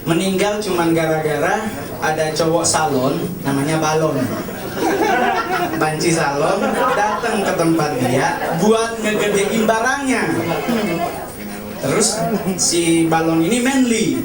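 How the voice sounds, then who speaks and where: A man's voice: on the high side, slow. A man doing a stand-up set at an open mic, speaking in a confessional way and acting out other people's lines. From Indonesia. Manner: confessional, keeps repeating "honestly", acts out other people's lines. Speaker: stand-up comedian. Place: comedy cafe stage before a laughing audience. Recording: echoey club sound from a distance, loud crowd laughter.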